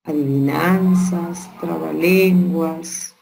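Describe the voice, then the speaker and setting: A woman's voice: sits low, steady tone, drawn-out words, vocal fry, a little mellow, soft background music, low-quality recording. A woman giving an online workshop lecture to teachers, explaining step by step and checking in with rhetorical questions. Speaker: teacher trainer.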